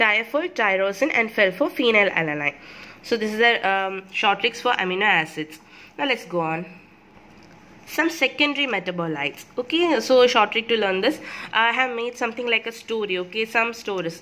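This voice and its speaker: In an Indian accent, a woman speaks at a moderate pace with a fairly high pitch and lively intonation. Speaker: medical entrance exam aspirant, student. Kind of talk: casual educational tutorial to camera.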